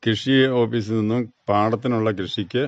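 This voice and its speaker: A man's voice: fairly low pitch, fairly even intonation, moderate pace, no room sound. A man, giving plain, brief, factual answers in an interview as a retired farmer. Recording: dull, muffled radio recording.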